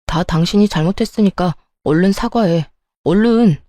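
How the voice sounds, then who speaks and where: A woman's voice: lowish voice, moderate pace, mellow, no echo, studio quality, lightly acted. A woman voicing an angry, bossy husband who takes his mother's side, speaking in an accusing, demanding way in a narrated story. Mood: stern, accusing.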